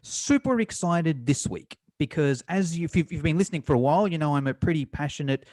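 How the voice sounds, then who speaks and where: An enthusiastic Australian man hosting a podcast interview, chatty with quick restarts. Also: fairly high pitch, expressive, a little mellow, dry recording. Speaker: podcast host. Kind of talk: casual interview chat.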